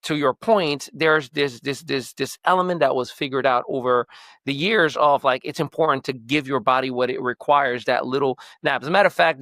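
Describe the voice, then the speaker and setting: A man's voice: medium pitch, fairly bright tone, no room sound. Earnest man from Morocco. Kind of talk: casual podcast conversation.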